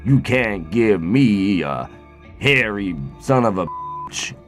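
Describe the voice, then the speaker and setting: A man's voice: fairly low pitch, lively intonation, slow, faint music behind. Man doing a panicky, foul-mouthed little piggy. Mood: defiant shock. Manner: panicky, exclaiming. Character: frightened, foul-mouthed little nugget piggy from a fairy tale.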